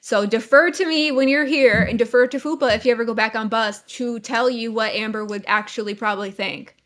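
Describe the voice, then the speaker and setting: A woman co-hosting a livestream, teasing and sharp-tongued, swearing freely in casual chat. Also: fairly high pitch, a little fast. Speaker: livestream co-host.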